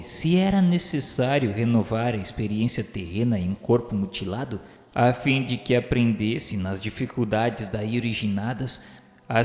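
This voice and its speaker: A man with a Brazilian accent reads a literary radio novel as narrator, in a solemn, formal, measured and earnest way. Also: fairly low pitch. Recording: echoey hall-like reverb under music. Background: background music.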